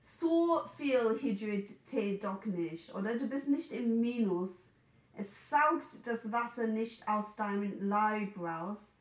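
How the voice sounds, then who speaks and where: A woman in her forties from England with an English accent, chatting in German as a second language in an animated way and mixing in English words. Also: mid-range voice, slow, far from the mic. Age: 40s. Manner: animated, mixes in English words, acts out quoted voices. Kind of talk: casual chat. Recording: echoey room, a bit off mic.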